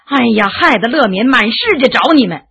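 A woman voicing a blunt, excitable but softhearted gentleman who exclaims and sighs a lot. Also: fairly high pitch, moderate pace, slightly rough, highs cut off, heavily acted. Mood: exasperated. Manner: impulsive, exclaiming, sighing.

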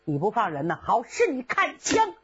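Woman voicing a gruff enemy commander. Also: a little high, huge pitch swings, normal speed, a bit bright, muffled recording, full character voice. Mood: hostile. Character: fierce enemy male commander.

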